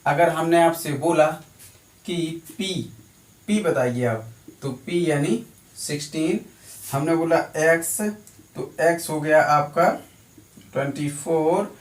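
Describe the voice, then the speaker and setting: A man's voice: on the high side, measured pace. A male teacher giving a classroom lecture, drilling students with repetitive question-and-answer. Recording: echoey room from a distance.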